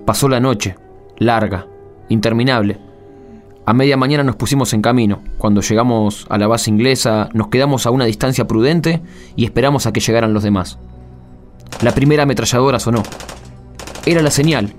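A man's voice: medium pitch, a little fast, natural voice. Man acting as anxious Argentine soldier, music underneath. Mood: somber narrating. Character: anxious, resigned male Argentine soldier, loyal friend. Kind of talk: radio drama acting with first-person narration.

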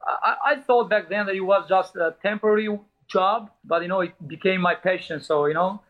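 Albanian-accented man, fairly high voice. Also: a little fast, highs cut off. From Albania and Italy. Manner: frequent "you know" asides, non-native phrasing. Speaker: guest, pizzeria owner and chef. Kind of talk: casual interview storytelling.

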